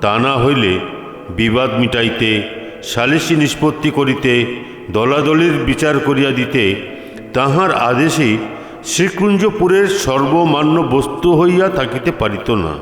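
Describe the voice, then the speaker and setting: A man reading a literary story as narrator, with formal, deliberate phrasing. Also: mid-range voice, animated, fairly bright tone. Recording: echoey, long reverb, music behind. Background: music.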